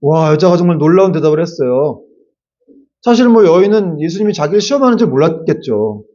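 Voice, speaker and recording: A male pastor giving a lively Sunday sermon, acting out quotes and adding casual asides to the congregation. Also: a little high, fairly quick, highs cut off. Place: church sanctuary.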